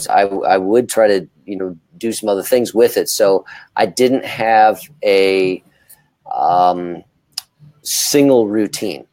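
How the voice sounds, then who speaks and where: A man talks as a co-host in a casual panel discussion, with a very dry sound free of room. His delivery is halting, and he doubles back on words as he works through a point. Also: fairly low pitch, a little mellow, no room sound. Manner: halting, repeats words as he goes. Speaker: talk show co-host.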